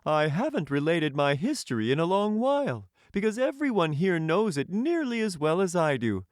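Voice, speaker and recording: A proud storybook tin emperor, speaking very high with a lilting, swooping delivery. He is courtly and self-satisfied, and words everything formally and grandly, as in an audiobook fairy tale. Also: very animated, moderate pace, no room sound, studio quality. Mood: proud, gracious. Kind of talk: audiobook character voice.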